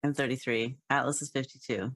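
A woman's voice: extremely low pitch, steady tone, a little fast, a bit bright, dry recording. A woman in her thirties co-hosting a podcast, upbeat and encouraging. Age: 30s. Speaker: co-host.

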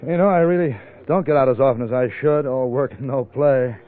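A man's voice: medium pitch, a little fast, lightly acted. An actor playing an uneasy, scheming businessman in a 1940s radio drama, hesitant and evasive. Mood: casual, probing. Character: uneasy, scheming businessman feigning casual friendliness. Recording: tinny 1940s radio broadcast.

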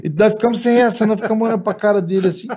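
A man's voice: high voice, very fast. A Brazilian-accented man, a singer, telling funny stories in a casual chat, laughing and acting out the people in them. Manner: animated, laughing, acts out the people in his stories. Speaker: singer and guest.

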